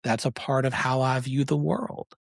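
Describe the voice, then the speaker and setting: A man's voice: medium pitch, steady tone, normal speed, creaky, no echo, clean studio sound. A middle-aged man hosting a podcast, affirming his guest in an earnest, emphatic way. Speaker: podcast host. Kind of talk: conversational interview.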